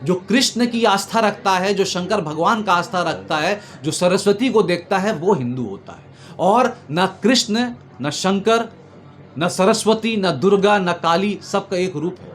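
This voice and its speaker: High-pitched man arguing emphatically. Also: expressive, unhurried, fairly bright tone. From Bengal, India. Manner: emphatic, repetitive, oratorical lists. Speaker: political commentator being interviewed. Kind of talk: impassioned political argument. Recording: noticeable background noise.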